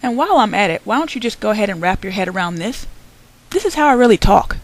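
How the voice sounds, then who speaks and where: A woman's voice: mid-range voice, expressive, fast talker, low-quality recording. A young woman hosting her own channel, answering another vlogger in a sarcastic, combative response rant.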